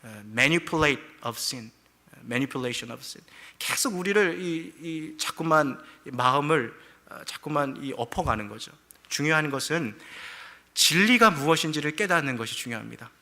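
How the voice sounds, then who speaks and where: A man's voice: a little high, expressive, unhurried, sharp tone. A man preaching a sermon as pastor, earnest and telling a folktale with animation.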